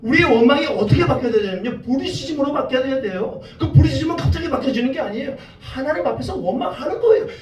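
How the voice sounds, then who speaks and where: A male pastor delivers an impassioned sermon, throwing out questions to the congregation and voicing prayers as he preaches. His voice sits unusually high and swings widely in pitch. He is picked up from far off in a reverberant sanctuary with faint background hiss. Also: expressive, fast, few pauses. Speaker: associate pastor. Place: church sanctuary in Toronto. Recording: echoey church room, far from the mic, faint hiss.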